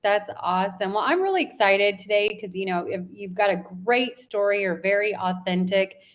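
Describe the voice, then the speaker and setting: A woman's voice: mid-range voice, expressive, moderate pace. A woman hosting a business interview show, encouraging and enthusiastic with her guest. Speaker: podcast host, interviewer.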